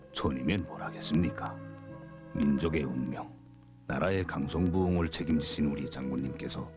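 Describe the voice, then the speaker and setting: Solemn, very deep-voiced North Korean official. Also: male voice. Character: devoted, self-reproaching male bureau director, solemn and fervent. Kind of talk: solemn North Korean film drama acting.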